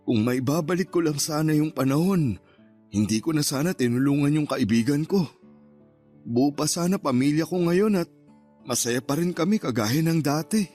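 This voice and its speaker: An actor playing a remorseful middle-aged father, just out of prison, speaking quietly and wistfully in a radio drama. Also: on the high side. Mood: tearful. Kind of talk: Tagalog radio drama acting, in-character narration.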